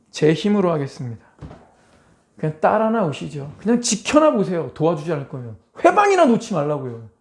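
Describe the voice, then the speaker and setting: A pastor delivers an emphatic sermon, firing rhetorical questions at his congregation and acting out quoted voices in dramatic asides. His voice is slightly high and a little mellow.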